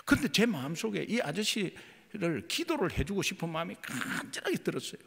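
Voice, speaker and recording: A male pastor delivers a sermon, his voice husky and his pitch swinging widely as he tells a story and voices the people in it. The sound carries a long reverb from a church hall. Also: very animated, a little fast, fairly bright tone. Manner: storytelling, acting out dialogue. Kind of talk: sermon testimony. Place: church sanctuary.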